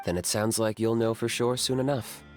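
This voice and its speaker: A man's voice: mid-range voice, fairly even intonation, moderate pace, over music, natural voice. A man playing a cool, blunt young tribal figure in a video game, speaking in a composed, matter-of-fact and dry manner. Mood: composed, serious. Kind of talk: video game character acting.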